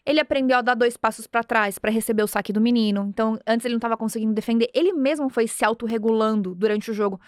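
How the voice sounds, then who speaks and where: A high-pitched woman from Brazil in her thirties tells a personal story as a podcast host. She speaks earnestly and with animation, slipping into the voices of the people in her story. The sound is dry and close, with no room echo. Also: fast, few pauses. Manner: earnest, animated, acts out dialogue. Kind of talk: motivational storytelling.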